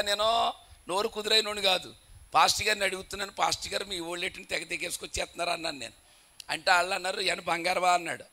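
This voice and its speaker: A man preaching a sermon, telling humorous stories and building to loud, emphatic declarations. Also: high voice.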